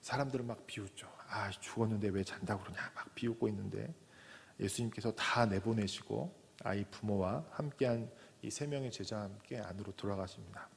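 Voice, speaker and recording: A man, a pastor, preaching a sermon who acts out the voices in the story, from loud cries to soft whispers. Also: lowish voice, vocal fry. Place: church sanctuary. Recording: church hall with long reverb.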